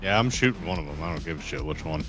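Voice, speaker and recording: A man's voice: extremely low pitch, expressive, racing, music in the background. A man playing a tabletop game, bantering casually in a blunt, teasing way.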